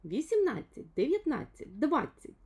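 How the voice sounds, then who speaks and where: An excitable little fairy-tale man, acted out by a woman, speaking high above the narration with big swings in pitch. He is blunt, self-important and exclamatory, with every phrase pushed out loudly. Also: moderate pace. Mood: counting intently.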